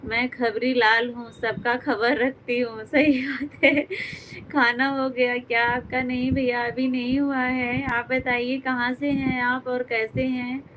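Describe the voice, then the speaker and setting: A woman's voice: fairly high pitch, fairly bright tone, a little hiss or hum, rough recording. A woman from Uttar Pradesh hosting a live stream. She chats casually, greets viewers by name, answers their comments and laughs often. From Uttar Pradesh, India.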